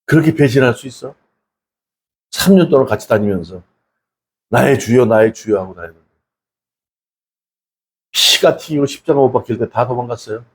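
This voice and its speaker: A male pastor preaches a conversational sermon in a mid-range voice that is animated and brisk, with a breathy edge and frequent pauses. He asks the congregation many rhetorical questions and acts out the people in his stories in a casual spoken tone.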